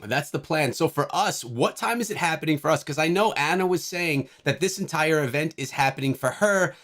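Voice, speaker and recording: A man's voice: on the high side, lively intonation, brisk, a bit bright. A man hosting a gaming podcast, leading the talk in an upbeat, conversational way. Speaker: podcast host.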